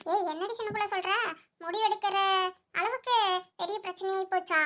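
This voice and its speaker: Brief: a performer playing a nosy, preachy village woman for a cartoon, quick delivery. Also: very high voice, fairly even intonation, fairly bright tone. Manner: prying, lecturing. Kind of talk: cartoon voice acting.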